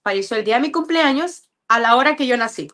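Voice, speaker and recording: A mother telling a personal faith testimony in a halting way, often repeating words and restarting phrases. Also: fairly high pitch, lively intonation, fairly bright tone.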